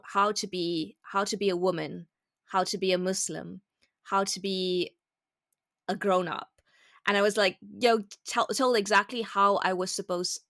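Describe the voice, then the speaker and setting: A woman's voice: medium pitch, a bit bright, no echo, studio quality. A woman from South Africa with a South African accent, speaking earnestly and reflectively as a guest in a casual interview. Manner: earnest, reflective, laughs easily.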